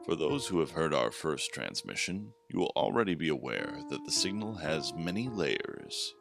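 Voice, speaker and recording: A man hosting a horror fiction podcast, giving announcements and then reading the story in a slow, hushed, dramatic way. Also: extremely low pitch, big pitch swings, vocal fry. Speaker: podcast host and narrator. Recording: music playing behind the voice.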